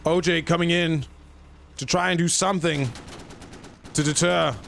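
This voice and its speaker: A man doing an excited, put-on British accent as a theatrical play-by-play caster for a tactical shooter match. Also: a little high, normal speed, gravelly, slight background noise. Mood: hyped. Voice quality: hammy, theatrical hype delivery. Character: excitable male British-style game caster. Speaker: gameplay commentator.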